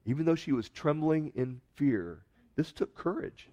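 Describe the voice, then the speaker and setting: A man preaching a sermon, telling a story with expressive swells of emphasis and dramatized quotes. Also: a little high, unhurried, dull audio. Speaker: pastor.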